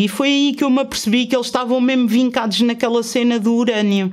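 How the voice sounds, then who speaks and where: At a moderate pace, a woman with a European Portuguese accent speaks in a high pitch. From Portugal. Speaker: cycle traveller. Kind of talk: casual interview. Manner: animated.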